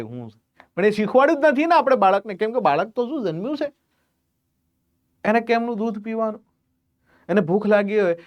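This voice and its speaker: Man, teacher, high voice, lively lecture. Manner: animated, acts out examples. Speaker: exam prep teacher. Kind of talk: classroom lecture.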